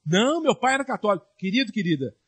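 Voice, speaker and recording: Husky guy preaching, high voice that swings all over, keeps throwing questions at the crowd. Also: sing-song, quick pace, fairly bright tone. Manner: rhetorical questions to the congregation. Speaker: pastor. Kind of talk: sermon.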